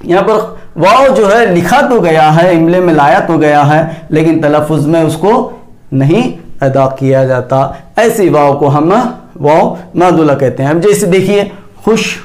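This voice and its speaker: Middle-aged guy teaching grammar, kinda high voice, talks real slow, keeps repeating the example words. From Bijapur, Karnataka, India. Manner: writes on a board while explaining. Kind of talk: explanatory grammar lesson.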